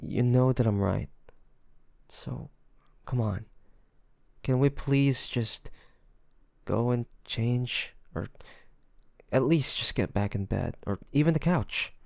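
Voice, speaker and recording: Casting: male actor as devoted, worried boyfriend for one-sided audio drama; gentle, hesitant, slightly gravelly voice, close dry sound. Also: medium pitch, dry recording. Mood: coaxing, soft. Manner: gentle, hesitant, pleading, with sighs and pauses. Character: loving, worried boyfriend coaxing his sick partner to rest.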